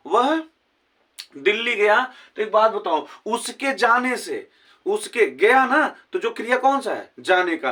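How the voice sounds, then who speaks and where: A man's voice: very high-pitched, pushed and bright, recorded from a distance. A male English teacher giving a grammar lesson with a Hindi accent, explaining step by step and often asking his students whether they have understood. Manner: asks many rhetorical questions to check understanding.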